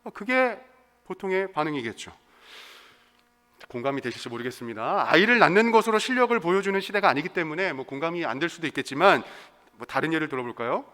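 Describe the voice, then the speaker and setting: Bright-voiced young man preaching in a church. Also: a little high, expressive, quick pace. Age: young adult. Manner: conversational, full of rhetorical questions. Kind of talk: sermon. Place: church sanctuary. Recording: long church-hall reverb.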